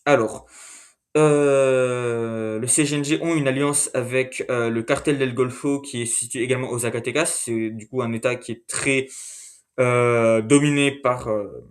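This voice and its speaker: A man's voice: medium pitch, steady tone, measured pace. Hesitant French man recapping news. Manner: hesitant, many fillers and self-corrections. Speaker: video host. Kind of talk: casual monthly recap narration.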